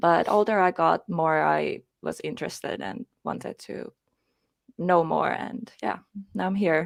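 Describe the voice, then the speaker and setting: A woman with a Finnish accent, at a fairly slow pace. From Finland. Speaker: paranormal video creator. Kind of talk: interview. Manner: halting.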